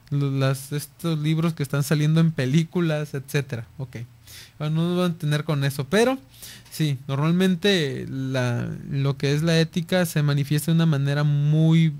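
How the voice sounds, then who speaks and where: A man presents a philosophy lesson on the radio in a patient, explanatory way. His voice sits a little higher than most men's, and he keeps pausing to check in with his audience before moving on. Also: darkish tone. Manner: checks in with listeners by asking "¿sí?" after nearly every point.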